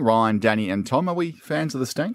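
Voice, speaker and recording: Here a man speaks in an Australian accent at a moderate pace. His medium-pitched voice has lively intonation. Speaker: radio co-host. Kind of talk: casual chat. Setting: studio.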